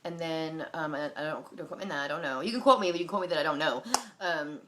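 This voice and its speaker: A young woman talks loosely to her viewers, full of ums and likes, her voice bright and forward. She sits a little low in pitch for a woman, and she gets animated when something strikes her. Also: quick pace. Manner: rambling, filler-heavy, animated, mimics people with loud barking sounds. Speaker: vlogger. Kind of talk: casual talk to camera.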